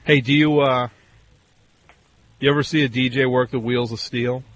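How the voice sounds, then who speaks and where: A man in his forties hosting a call-in radio show, teasing a caller with mock indignation and a deadpan delivery. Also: mid-range voice, moderate pace, a little hiss or hum. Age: 40s. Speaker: radio host. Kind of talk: sarcastic call-in radio banter. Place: radio studio.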